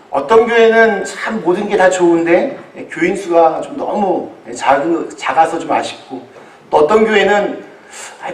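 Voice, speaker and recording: A man delivers a sermon as a pastor, in a fairly high voice. He phrases things deliberately, like a storyteller pausing between thoughts. The sound is roomy and echoing, picked up at some distance from the microphone. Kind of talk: sermon to a congregation. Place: large echoey room, church service. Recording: echoey hall, distant microphone.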